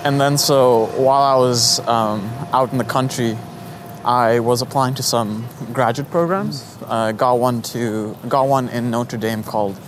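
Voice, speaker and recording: A young man from Nepal, a guest in a relaxed conversation, talking with a few fillers and restarts. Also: medium pitch, measured pace, noisy background. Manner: relaxed, hesitant, many fillers. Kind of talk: casual conversation.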